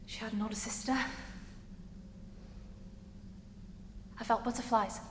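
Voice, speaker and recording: A woman playing a hurt, defiant young gay woman in a halting, emotional theatre monologue. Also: on the high side, fairly even intonation, lightly acted. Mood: tender, confessional. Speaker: acting student. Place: large reverberant indoor room. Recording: echoey hall with background noise.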